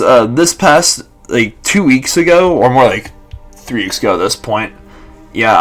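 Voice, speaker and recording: A man's voice: medium pitch, a bit bright. Young man rambling with lots of fillers. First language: Lithuanian and English bilingual. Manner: rambling, many fillers and restarts. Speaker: vlogger. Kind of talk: casual rambling monologue.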